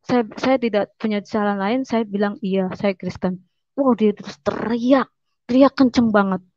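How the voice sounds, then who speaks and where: A woman's voice: on the high side, steady tone, darkish tone, no room sound, highs cut off. Earnest woman telling her testimony. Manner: earnest storytelling with halting repeats. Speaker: convert giving testimony. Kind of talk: personal testimony.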